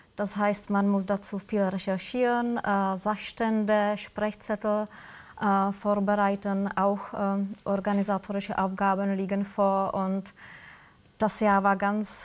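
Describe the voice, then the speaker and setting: A woman is speaking. Her pace is very slow. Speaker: diplomat. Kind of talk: panel discussion.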